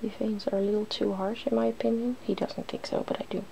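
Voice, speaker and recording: A woman hosting an ASMR makeup demonstration, speaking in soft, breathy whispers and hushed tones as she narrates each step playfully. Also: medium pitch, little pitch movement, fast, a little hiss or hum, rough recording. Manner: playful, giggly. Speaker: ASMR video host.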